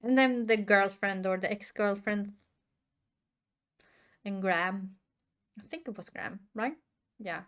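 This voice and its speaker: A woman's voice: mid-range voice, a little slow, long pauses, fairly bright tone. A woman whose first languages are Swedish and Norwegian, hosting casual reaction commentary and thinking aloud with many restarts. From Sweden or Norway. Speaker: reaction channel host.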